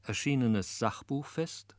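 A man narrating a scripted radio feature in a formal, measured way. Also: medium pitch, no room sound, clean studio sound.

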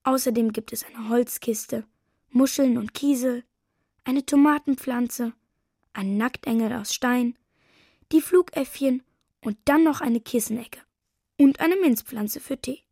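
Woman reading as a lively boy of almost eight, breathy, higher voice, dry close sound. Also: a little slow, no room sound. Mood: cheerful. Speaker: narrator. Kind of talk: first-person storybook narration.

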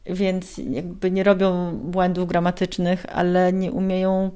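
A woman from Poland, a university lecturer, answering interview questions thoughtfully with hesitant pauses. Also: lowish voice, monotone, warm tone, clear, resonant tone.

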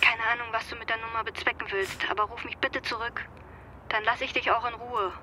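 Exasperated friend, firm, bright voice, faint hiss. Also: female voice, fairly high pitch, steady tone, brisk, poor audio. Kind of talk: radio drama acting.

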